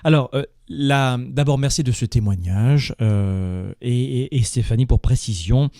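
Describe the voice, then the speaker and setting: A man's voice: medium pitch, a little slow, warm tone, no echo, clean studio sound. A man hosting a motivational call-in show, speaking emphatically and repeating words as he builds a point. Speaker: host taking live calls.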